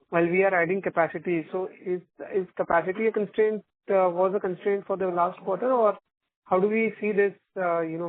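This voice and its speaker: A man working as an analyst, asking polite, probing questions on an earnings call. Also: sits high. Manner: polite, probing, says sir. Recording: tinny phone line.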